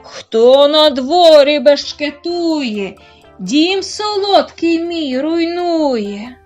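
A woman voicing an angry, roaring big male bear in a storybook, slow and loud. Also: high-pitched, expressive, lo-fi sound, faint music behind, heavily acted.

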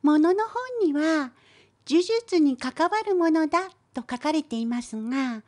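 Woman voicing a high-pitched, curious little cat assistant. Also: lively intonation, measured pace. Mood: curious, cheeky. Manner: polite, inquisitive, gently cheeky. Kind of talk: scripted educational cartoon dialogue.

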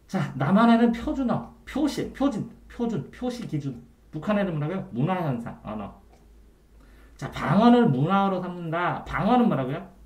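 Male tutor, animated delivery, keeps checking the student understands. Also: sits high, normal speed. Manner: trailing off quietly at the ends of phrases. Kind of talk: one-on-one Korean grammar tutoring. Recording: echoey room.

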